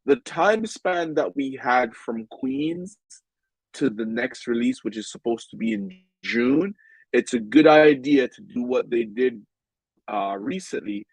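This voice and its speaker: Man vlogger, stuffed-up and nasal, laid-back slow delivery, lots of filler words. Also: medium pitch, darkish tone, slightly rough, no room sound, low-quality recording. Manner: rambling, many ums and restarts. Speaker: game vlogger. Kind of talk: casual game commentary.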